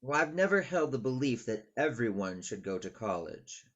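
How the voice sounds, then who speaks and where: A man plays a courteous college dean at a script read. He is measured and probing, with a very animated, varied pitch. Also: lo-fi sound. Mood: patient, probing. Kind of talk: table read of a screenplay.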